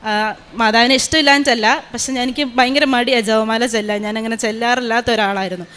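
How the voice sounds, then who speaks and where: A young woman tells her personal testimony. She talks quickly in a slightly high voice. Her delivery is earnest and full of fillers and restarts. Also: fairly even intonation, fairly bright tone, smooth. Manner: earnest storytelling with many fillers. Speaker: testimony giver.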